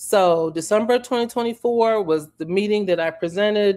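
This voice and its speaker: With an animated tone, a woman talks at a moderate pace, her medium pitch showing ordinary pitch variation. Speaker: small-town mayor hosting a livestream. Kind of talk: live-streamed civic talk to viewers. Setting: live stream. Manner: conversational, animated.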